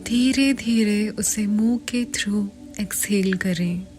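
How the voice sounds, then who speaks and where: A woman with an Indian accent guides a meditation in a soft, partly whispered voice, in short measured phrases with long pauses. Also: mid-range voice. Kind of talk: guided meditation, slow soothing instruction. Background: meditation music.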